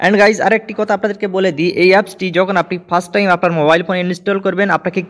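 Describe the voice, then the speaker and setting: A man's voice: sits high, steady tone, rapid-fire, fairly bright tone. A man hosting a step-by-step app tutorial, mixing English words into his speech. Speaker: tech tutorial host.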